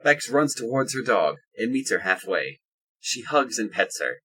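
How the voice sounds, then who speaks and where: A man reading scripted third-person narration for an audio drama in a husky voice. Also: mid-range voice, very animated, normal speed, fairly bright tone.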